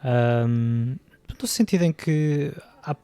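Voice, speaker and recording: Portuguese man, european portuguese accent, podcast co-host, measured mild speech, dry close mic. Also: medium pitch, dark tone, clear, resonant tone, no echo. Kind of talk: casual chat.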